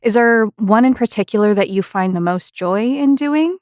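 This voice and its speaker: A woman hosting an interview show, speaking in a clear presenting style as she introduces and questions a guest. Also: mid-range voice, animated, normal speed, a little mellow, no room sound, clean studio sound. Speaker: interviewer and host, associate producer. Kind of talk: scripted intro, then casual interview.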